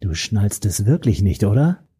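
A man's voice: lowish voice, big pitch swings, measured pace, warm tone, slightly rough, exaggerated voice. A man voicing a smug, mocking young male henchman who talks down to an old man. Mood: taunting. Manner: mocking, chatty, condescending. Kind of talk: audiobook character voice.

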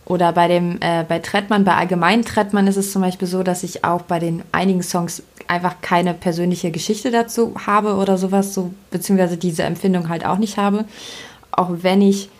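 A young woman you might hear across a Berlin kitchen table, thinking out loud in loose slang on a chatty podcast. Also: lowish voice, steady tone, normal speed. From East Germany, raised in Berlin. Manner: rambling, self-reflective, slangy. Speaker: podcast co-host. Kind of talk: casual conversational podcast chat.

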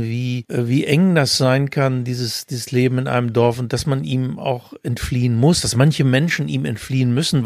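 Gravelly older man, dry close sound. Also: mid-range voice, a little mellow, dry recording. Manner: thoughtful, explains at length with hesitations. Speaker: podcast co-host. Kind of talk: casual conversation.

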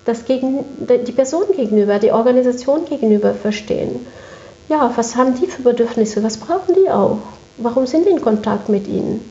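Female interview guest, fairly high but soft-toned, emphatic repetition, conversational, slightly muffled room recording. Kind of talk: conversational interview, recounting work experience. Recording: echoey room, dull muffled sound.

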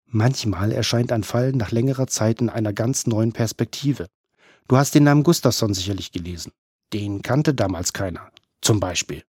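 A man voicing a brisk, mocking female police chief who needles her colleagues with pointed questions. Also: lowish voice, a little mellow, breathy edge, no echo, studio quality. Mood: probing.

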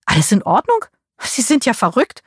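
A woman voicing a frail, indignant old woman in an audiobook, with a shrill, scolding voice. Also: lively intonation, fairly quick, no echo, clean studio sound.

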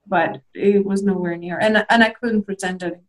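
A woman's voice: medium pitch, fairly even intonation, a little fast, low-quality recording. A young woman from Lithuania, a guest in a candid interview, talking reflectively with hesitant restarts and small laughs.

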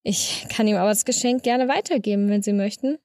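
A woman voicing a betrayed, sharp-tongued wife. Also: medium pitch, a little fast, dry recording, clean studio sound, close to an everyday voice. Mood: coolly polite. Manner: shouting, then cool and polite. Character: angry betrayed wife, middle-aged woman. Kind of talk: audiobook reading.

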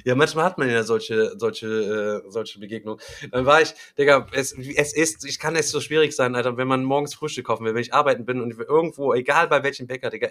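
Bright-voiced young man telling stories. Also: medium pitch. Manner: slangy, rambling storytelling full of "Alter" and "Digga". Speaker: podcast host. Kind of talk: casual chat.

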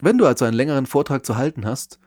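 A German-speaking man talks listeners through speaking technique in a measured, explanatory tone, leaning into words to stress them. His voice sits at an ordinary middle pitch. The recording is close and dry, with no room sound. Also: animated, darkish tone, no echo. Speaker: podcast host and speaking coach. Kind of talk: scripted advice talk.

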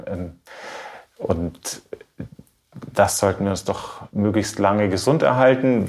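A man from Bavaria, a trained baritone, giving reflective, measured interview answers and searching for his words. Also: creaky, a little mellow. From Bavaria, Germany. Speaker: classical baritone singer being interviewed.

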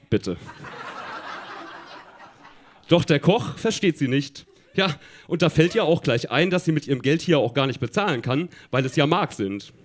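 A man's voice: a little high, a little hiss or hum. A man reading a children's story aloud, chuckling often, now and then stumbling over words and talking to his listeners.

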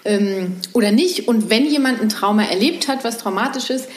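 A woman's voice: on the high side, moderate pace. A woman co-hosting a podcast talks in loose, rambling stories and laughs often. Her voice carries a noticeable room echo. A faint hiss sits behind it. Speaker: podcast co-host. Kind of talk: casual chat.

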